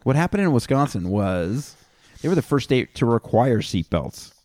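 A man from Canada hosting a casual comedic podcast, deadpan, trading crude jokes and reading facts aloud. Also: medium pitch, normal speed. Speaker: podcast host.

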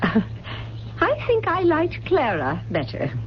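An actress in a radio drama playing a genteel, gentle middle-aged invalid mother, wistful and hesitant in her speech. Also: sits high, wildly swooping pitch, takes it slowly, full character voice. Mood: tired, fond. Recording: dull, faintly noisy old radio broadcast.

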